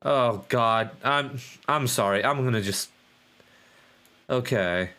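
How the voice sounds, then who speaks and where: A man's voice: medium pitch, slow pace, sharp tone. A man doing casual live game commentary, rambling and sweary, sometimes reading on-screen text aloud. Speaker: game streamer.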